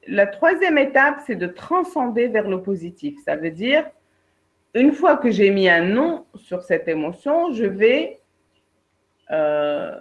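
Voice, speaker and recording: A woman, a career coach and trainer giving a lively webinar talk, speaking straight to her participants and acting out her examples. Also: fairly high pitch. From Algeria. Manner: lively, addresses participants directly, acts out examples. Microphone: video call. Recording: dull lo-fi online webinar audio.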